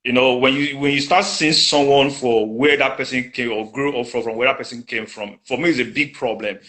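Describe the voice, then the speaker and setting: A man's voice: mid-range voice, fairly even intonation, a little fast, sharp tone. A Nigerian man from the southwest of the country, a guest in a casual interview, who stops and restarts his phrases. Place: abroad in the diaspora.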